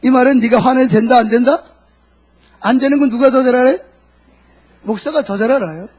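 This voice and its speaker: A man's voice: very high-pitched, brisk, darkish tone. A middle-aged male pastor preaching a sermon, asking the congregation questions and answering them himself, and voicing God's words and a believer's prayers.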